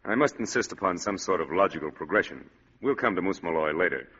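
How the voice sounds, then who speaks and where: An actor playing a smooth, condescending male psychic con man in an old radio drama, speaking precisely. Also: low voice, animated, quick pace, bright, forceful tone, full character voice. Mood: suave. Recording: dull old radio recording, long reverb.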